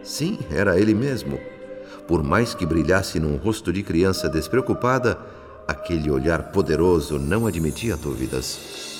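Radio drama narrator, a solemn, compassionate male spirit: low voice, Brazilian accent, long reverb. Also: animated. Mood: moved, solemn. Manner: solemn, literary, measured. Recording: long reverb, loud music behind. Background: music.

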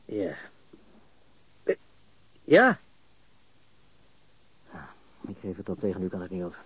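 A man's voice: low-pitched, big pitch swings, moderate pace, husky, muffled recording, heavily acted. An actor playing a cocky, jittery criminal suspect in a radio drama, stammering, repeating himself and swearing as he confesses. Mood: resigned, wary.

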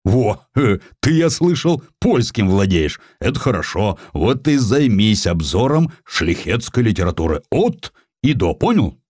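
A male reader plays an overbearing university dean in an audio story. He is brusque, pompous and condescending, hectoring his listener with wide swings of pitch in a dry, close recording. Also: very animated, a little slow, hardly any pauses, darkish tone, slightly rough, no echo, full character voice. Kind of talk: audio dramatization of historical prose.

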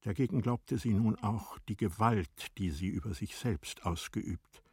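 A man narrating a literary radio drama in a deliberate, formal and articulate way. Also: fairly low pitch, slightly rough, no echo, clean studio sound.

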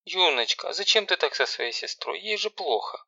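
A flustered middle-aged mother frets in a raised, anxious voice, as a man voices her. The timbre stays bright and a little gravelly, on a dull lo-fi recording. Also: high-pitched, lively intonation, moderate pace, dry recording, voice pushed up, exaggerated voice. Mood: anxious fretting. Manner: anxious, fussing.

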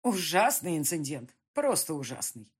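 A woman's voice: low voice, big pitch swings, moderate pace, husky, exaggerated voice. A woman voicing a gloating male burgomaster in an audiobook.

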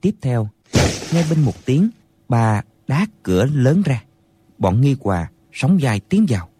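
A man narrating a martial arts novel as an audiobook in an expressive storytelling manner, close to the mic. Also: medium pitch, unhurried, slight background noise.

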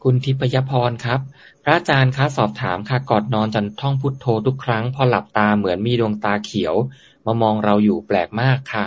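A man's voice: lowish voice, a little fast, muffled recording. A man moderator who names each sender and plainly reads out listener questions to the monk. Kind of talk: reading questions aloud.

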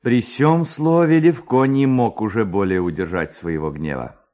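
Brief: male narrator for a classic radio drama, deep and mellow, lively intonation. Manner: measured, expressive storytelling.

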